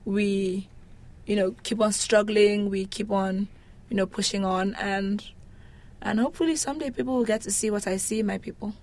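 A woman from Nigeria speaks candidly and informally as an interview guest, animated and given to emphatic repetition. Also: mid-range voice, normal speed. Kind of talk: casual conversational interview.

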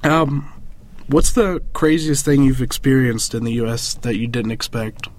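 Male interviewer with a mid-pitched voice. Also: measured pace, darkish tone. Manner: brief acknowledgements, plain simple questions. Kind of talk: casual question-and-answer interview.

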